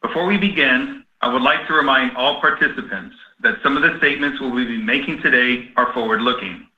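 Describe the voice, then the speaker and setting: A man's voice: medium pitch, a little fast, bright, forceful tone. A man who works as an investor relations executive, reading a scripted corporate introduction on a conference call. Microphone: conference call line. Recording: roomy, dull lo-fi conference call.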